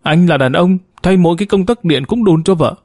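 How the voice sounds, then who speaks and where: Brash, crude young countrywoman, put on by a male narrator: raised and strident, pushed high into a lively, swooping delivery. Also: unhurried, no echo, studio quality. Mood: scolding.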